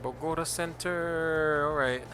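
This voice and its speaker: Relaxed man streaming flight sim. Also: on the high side, measured pace, faint music behind. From Philippines. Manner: switches between Filipino and English, relaxed chatty, reads radio calls. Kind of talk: casual stream chat and radio calls.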